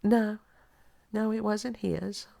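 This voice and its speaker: A woman's voice: mid-range voice, steady tone, slow pace, vocal fry, warm tone. A middle-aged woman with a congested, stuffy voice, chatting casually as a podcast host and telling wry stories. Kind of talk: casual chat.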